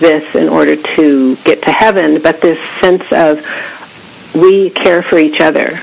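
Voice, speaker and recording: A woman with an American accent speaks at a very slow pace and a fairly low pitch. Noticeable background noise runs under her voice. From San Francisco Bay Area, California. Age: 60s. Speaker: author and activist. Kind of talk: interview.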